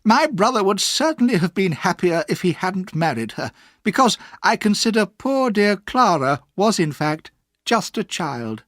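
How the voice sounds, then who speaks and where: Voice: medium pitch, big pitch swings, unhurried, fairly bright tone, no room sound, clean studio sound, pitched above the performer's own voice. A narrator voicing a spiteful spinster who speaks with smug, false sweetness. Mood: falsely sweet.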